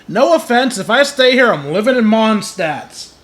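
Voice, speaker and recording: A man's voice: high voice, very animated, normal speed, fairly bright tone. A man giving casual, playful let's play commentary, talking back to the game. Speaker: gamer commentating on a playthrough. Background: game music.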